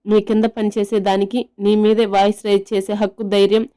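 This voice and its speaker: A woman's voice: mid-range voice, little pitch movement, brisk, warm tone, natural voice. A woman voicing a haughty, hot-tempered sister-in-law who scolds and makes demands in an audio love story. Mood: angry.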